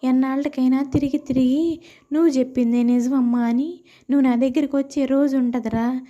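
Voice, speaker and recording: A woman voicing a bitter, domineering older mother-in-law with a sharp-tongued, taunting manner in a moral story. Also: high voice, fairly even intonation, a little fast, highs cut off, lightly acted. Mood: bitter, defiant.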